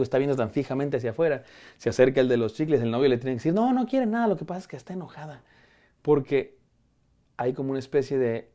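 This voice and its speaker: Earnest preaching man, dark mellow voice. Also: medium pitch. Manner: earnest, conversational preaching with many restarts and repetitions. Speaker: pastor. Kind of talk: devotional sermon. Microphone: camera framing, speaking to camera.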